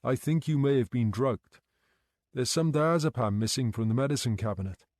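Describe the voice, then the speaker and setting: A man voicing a calm, patient male detective who questions people gently and in a measured way. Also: mid-range voice, no echo, clean studio sound, lightly acted.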